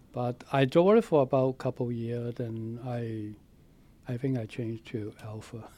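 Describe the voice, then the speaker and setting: A man with a dark, mellow tone speaks at medium pitch with fairly even intonation but big swings in loudness. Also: moderate pace. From Hong Kong. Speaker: car enthusiast, host's father. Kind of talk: interview. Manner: halting.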